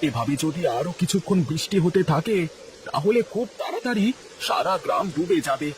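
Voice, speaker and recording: A man's voice: sits high, expressive, fairly quick, noisy background. A man voicing a practical village husband in a cartoon, speaking plainly and steadily. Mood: urgent. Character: practical poor villager husband, male, calm. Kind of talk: cartoon voice acting.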